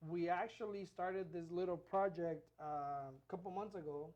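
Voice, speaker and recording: A man co-hosting a casual podcast as a real estate agent, relaxed and chatty with many fillers. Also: high-pitched, moderate pace, highs cut off. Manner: relaxed, repeats himself, filler-heavy.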